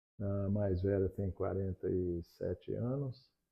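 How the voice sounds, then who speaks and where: His pitch is fairly low for a man and varies in an ordinary way. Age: 70s. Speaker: elder church member, mentor. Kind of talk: casual interview testimony.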